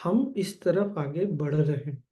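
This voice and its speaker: A man giving a gentle spiritual discourse as a teacher, calmly addressing his listeners directly. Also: a little high, takes it slowly.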